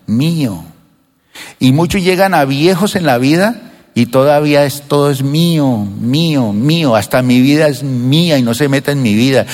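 An older man preaching a sermon to his church, animated and acting out children's voices now and then. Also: medium pitch. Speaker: pastor. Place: church sanctuary. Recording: long reverb of a church hall.

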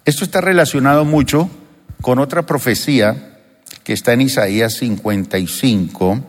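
A man's voice: medium pitch, moderate pace. A male pastor preaching with emphasis, asking his congregation question after question. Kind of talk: sermon. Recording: long reverb of a church hall.

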